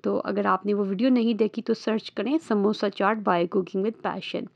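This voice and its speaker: A woman's voice: mid-range voice, steady tone, a little slow, gravelly, no echo, lo-fi sound. A woman with a Lahori accent giving a patient, step-by-step voice-over for a home cooking lesson. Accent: Lahori Urdu-Punjabi. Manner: patient step-by-step instructing, often checking in with listeners. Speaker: cooking channel host. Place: voice-over recorded apart from the kitchen footage.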